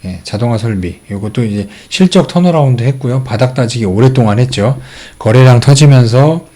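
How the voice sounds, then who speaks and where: Lively middle-aged man explaining stock charts. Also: mid-range voice, fairly quick. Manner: explains charts step by step with many fillers. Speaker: stock channel host. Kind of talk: casual stock market commentary.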